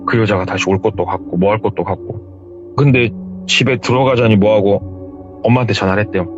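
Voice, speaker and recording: A man's voice: fairly low pitch, a little fast, music in the background. A man casually retelling a true horror story he heard from someone, slightly muffled. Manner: lively, retelling hearsay.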